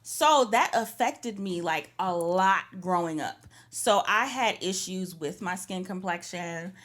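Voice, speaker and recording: Animated woman co-host. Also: fairly low pitch, slow. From Trinidad. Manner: expressive, laughs often. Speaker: podcast co-host. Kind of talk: casual chat.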